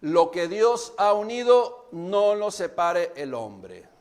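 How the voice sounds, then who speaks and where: Male pastor, Mexican Spanish accent, high voice, preaching straight to the church. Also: animated, takes it slowly. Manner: preaching, addresses the congregation directly. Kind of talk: sermon.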